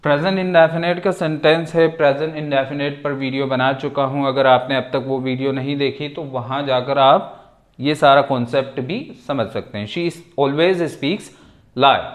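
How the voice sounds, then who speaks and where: A man teaches English vocabulary. He is patient and repeats each word and sentence slowly. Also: medium pitch. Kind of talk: slow vocabulary lesson. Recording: echoey room.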